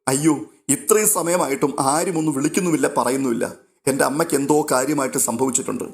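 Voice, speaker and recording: A man voicing a frantic middle-aged mother who pleads and wails in quick questions. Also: fairly high pitch, lightly acted. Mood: grieving.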